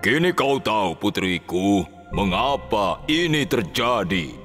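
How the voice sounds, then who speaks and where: A man's voice: lowish voice, very animated, takes it slowly, a bit bright, soft background music, heavily acted. A man voicing a fatherly king in a children's fairy tale, grave, concerned and commanding. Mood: gently scolding.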